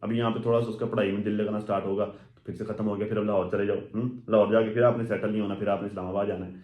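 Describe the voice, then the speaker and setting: Low-voiced man rambling commentary. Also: little pitch movement, rapid-fire, a little mellow. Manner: chatty, rambling with many fillers and asides. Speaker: social media commentator. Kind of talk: casual commentary vlog. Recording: echoey room.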